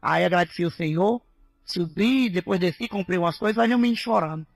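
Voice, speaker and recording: A woman missionary telling her testimony as an animated sermon, often addressing the listeners as brothers. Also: lowish voice, fairly quick, gravelly, dry recording, soft background music. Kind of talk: preaching testimony to a congregation.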